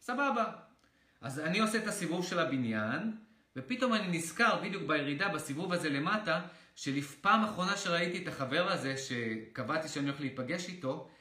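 Bright-voiced man in an echoey room. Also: on the high side. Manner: animated, retells with excited outbursts and swearing. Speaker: motivational creator. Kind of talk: casual storytelling to viewers.

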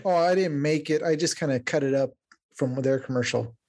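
A man's voice: a little high, fairly quick. Podcast host, man, Mexican accent, loose and joking, casual chat delivery. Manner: relaxed, joking, loose trailing phrasing.

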